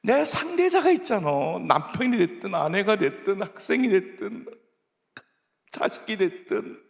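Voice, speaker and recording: Pastor with a gravelly voice in a reverberant church. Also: male voice, high voice, sing-song, moderate pace. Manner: swings from hushed whispers to loud pleading emphasis; acts out parents scolding children. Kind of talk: sermon. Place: church sanctuary. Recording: long church hall reverb.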